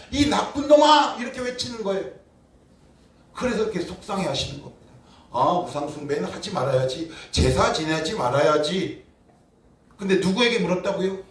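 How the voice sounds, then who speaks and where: A man preaching a sermon as pastor, asking his congregation rhetorical questions with emphatic delivery. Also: sits high. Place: church sanctuary. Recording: roomy church echo, distant mic.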